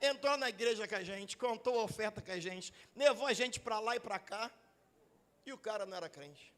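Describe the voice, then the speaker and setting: A male pastor with a Brazilian Portuguese accent preaching a sermon in church, moving between quiet asides and shouted emphasis. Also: high-pitched, a little fast, in a large hall.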